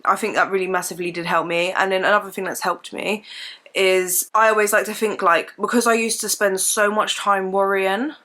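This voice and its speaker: Young woman vlogger, hoarse and croaky, bright forward tone, rambling casual chat at home. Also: medium pitch, little pitch movement, brisk. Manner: chatty, rambling, lots of fillers. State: hoarse and croaky from a chesty cough. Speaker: beauty and fitness vlogger. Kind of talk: casual chat while doing makeup. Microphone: camera mic, sitting in front of camera.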